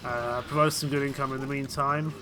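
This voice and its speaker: A man with a cold and a croaky voice, giving casual, hesitant commentary while playing a strategy game. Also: mid-range voice, steady tone, a little fast, noisy background. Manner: hesitant, full of ums and restarts. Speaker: game streamer.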